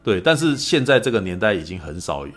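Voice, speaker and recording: A podcast host with a fairly low, slightly fast voice and a Taiwanese Mandarin accent chats casually about movies, with soft music in the background. He tells stories energetically, acting out the lines he quotes, and often says "你知道吗" in passing.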